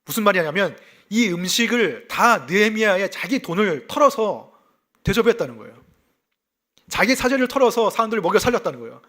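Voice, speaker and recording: A man preaching a sermon in a fairly high voice that rises and falls with lively intonation. He explains a scripture passage and asks his listeners rhetorical questions. He is a pastor from South Gyeongsang who weaves in personal stories. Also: fairly quick. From South Gyeongsang, South Korea.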